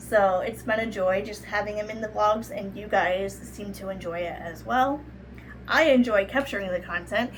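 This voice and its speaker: Over noticeable background noise and audible room echo, a woman speaks at a moderate pace and medium pitch, with big swings in loudness. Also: ordinary pitch variation. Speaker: vlogger. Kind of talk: casual vlog talk to camera. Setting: apartment bedroom.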